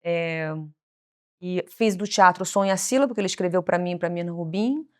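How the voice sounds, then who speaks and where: A woman's voice: on the low side, a little fast. A woman guest, an actress and singer, chatting casually in an interview and acting out the lines of the people in her stories. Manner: animated storyteller, acts out quoted dialogue.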